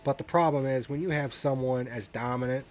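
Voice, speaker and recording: A man's voice: medium pitch, a little fast, faint music behind. A man hosting a racing review show, talking casually with a blunt, profane, ranting manner, and sounding congested from a cold.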